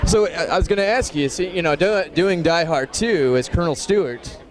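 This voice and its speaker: A man's voice: on the high side, a little fast. A man interviewing as an eager fan, gushing and saying "you know" a lot, outdoors at a busy event. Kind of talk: casual interview chat. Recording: crowd chatter behind.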